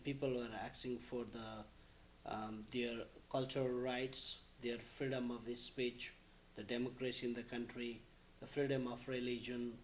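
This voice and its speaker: Man in an interview, mid voice, slow listing with ums, faint hiss. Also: medium pitch, flat delivery. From Bhutan. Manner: measured, listing things with "uh" and "um". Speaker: refugee interviewee. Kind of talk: recorded interview testimony.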